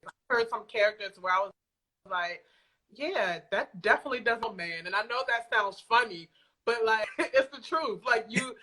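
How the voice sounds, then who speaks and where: A woman's voice: on the high side, animated, moderate pace, sharp tone, poor audio. An American woman speaking as a podcast guest in a casual, informal, conversational way. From Alexandria, Virginia, United States. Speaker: podcast guest, audio drama creator. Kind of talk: casual chat.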